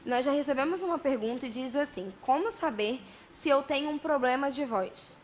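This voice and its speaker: A Brazilian woman hosts a studio talk show with a chatty, conversational manner. Her voice sits a little high. A faint hiss lies under the recording. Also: moderate pace. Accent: Brazilian Portuguese. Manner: chatty, conversational, animated questioning. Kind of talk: studio interview hosting. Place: television studio.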